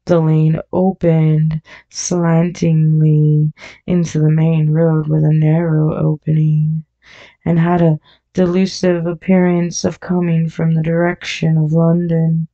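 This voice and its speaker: A woman narrates a classic novel in a very slow, measured reading. Her voice is low, dark and gravelly, and the recording is dull and lo-fi. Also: little pitch movement. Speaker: audiobook narrator. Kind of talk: scripted narration. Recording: dull lo-fi audio.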